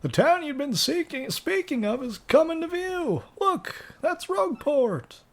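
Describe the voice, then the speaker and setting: A man's voice: extremely high pitch, sing-song, unhurried, creaky, pitched above the performer's own voice, full character voice. A man voicing a polite, eager ship's sailor in a video game.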